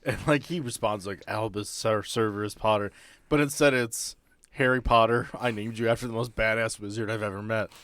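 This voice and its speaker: Low-voiced man running a tabletop game. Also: fairly even intonation, brisk, a bit bright, no echo. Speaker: game master. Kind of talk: casual tabletop game narration.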